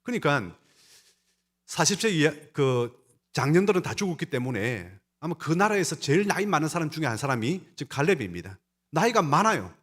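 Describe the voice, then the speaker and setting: A male pastor preaching a sermon and speaking straight to his congregation, with an emphatic delivery that rises and falls. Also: on the high side. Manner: emphatic, rising and falling delivery; talks to the congregation directly.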